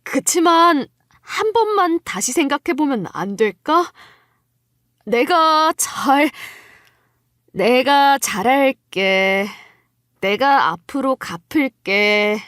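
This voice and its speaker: A woman's voice: high-pitched, lively intonation, slow, a bit bright, no echo, clean studio sound, full character voice. A woman voicing a guilty, weak husband in a story, pleading and whiny. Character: guilty husband, weak, begging his wife.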